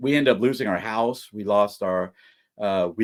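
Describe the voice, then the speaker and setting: Here is a man with a plain, everyday voice and a fairly low pitch. He keeps a moderate pace and ordinary pitch variation. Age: 50s. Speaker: reseller, retired teacher. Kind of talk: casual chat.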